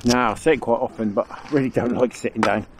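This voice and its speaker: A man's voice: medium pitch, steady tone, fast talker. A man with a cold, sounding nasal and bunged up, chatting casually outdoors on a riverbank as he films his own fishing trip, rambling and chuckling as he goes. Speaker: angling vlogger. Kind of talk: casual on-the-spot commentary. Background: faint wind noise.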